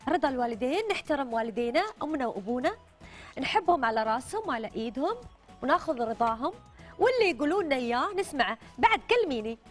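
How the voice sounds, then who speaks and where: A female host of a children's TV quiz show speaks fast in a high, very animated voice with a Gulf Arabic accent. On a colourful indoor studio set, with faint music behind her, she prompts the kids with repeated short questions and phrases.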